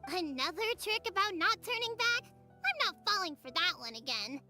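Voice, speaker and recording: A woman's voice: extremely high pitch, very animated, normal speed, pushed and bright, faint music behind, exaggerated voice. A woman voicing a skeptical, cheeky young child in a video game, blunt and sassy. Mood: distrustful.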